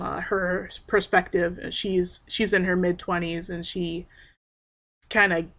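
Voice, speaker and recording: A young trans man rambling in a personal video diary, hesitant and soft-spoken with frequent pauses and restarts. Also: high voice. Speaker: vlogger.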